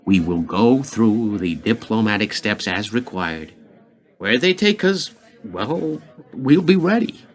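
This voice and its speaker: An actor playing a hawkish, calculating senior White House aide in a radio play, speaking with deliberate authority. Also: male voice, on the low side, expressive. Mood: grim, resolute.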